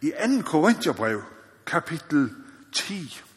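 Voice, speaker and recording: A missionary preacher from the Faroe Islands delivers a sermon in a church or meeting hall, his voice on the high side and sing-song. He speaks earnestly and searchingly, often checking in with "ikke også?" and building to loud exhortations. The recording carries a long hall reverb.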